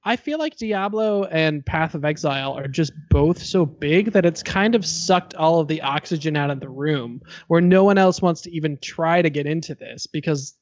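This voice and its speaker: A man's voice: fairly high pitch, normal speed, hardly any pauses, dry recording. A male co-host chatting easily about games and laughing often. The recording is dry. It is slightly muffled and lo-fi. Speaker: podcast co-host. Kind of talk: casual chat.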